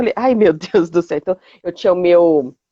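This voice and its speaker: A woman's dark, mellow tone with lively intonation, in a dry, close sound with no echo. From Brazil. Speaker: mind map instructor. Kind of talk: casual interview chat. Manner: hesitant, many fillers.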